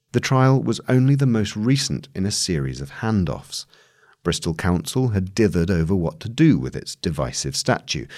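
Male, very deep, animated intonation, scripted article narrator. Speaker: narrator reading a long magazine article. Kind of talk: scripted long-form journalism narration.

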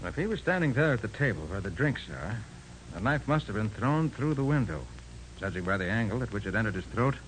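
Shrewd radio detective, animated delivery. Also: male voice, on the low side. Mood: confident, deducing. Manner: brisk, coolly polite, probing. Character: shrewd, self-assured male master detective. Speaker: detective in a radio crime drama. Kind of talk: 1940s radio acting. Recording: noisy old 1940s radio recording.

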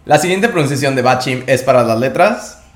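A man hosting a podcast language lesson, explaining calmly and clearly. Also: medium pitch, brisk. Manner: calm, explanatory. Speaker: language teacher and podcast host. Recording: echoey room with music behind.

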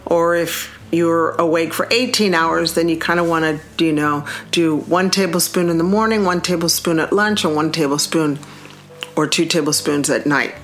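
A woman's voice: low voice, normal speed, fairly bright tone, faint music behind. A woman who is a medical doctor hosting a health podcast, talking to listeners in an enthusiastic, emphatic way and repeating words for stress. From Cuban heritage.

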